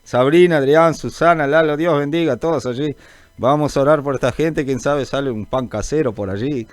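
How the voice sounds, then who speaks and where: Chatty radio preacher, dry sound. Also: male voice, fairly high pitch, a little fast, no echo. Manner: chatty, greets listeners by name, calls them brother; informal, rambling, many fillers. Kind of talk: live call-in gospel radio chat.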